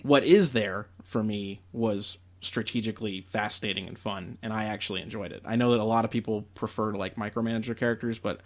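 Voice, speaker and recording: A man's voice: on the low side, fairly even intonation, fairly quick, hardly any pauses. A young man co-hosting a podcast, chatting casually and enthusiastically with lots of fillers. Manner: enthusiastic, laughs often, many fillers. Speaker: podcast co-host. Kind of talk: casual chat about video games.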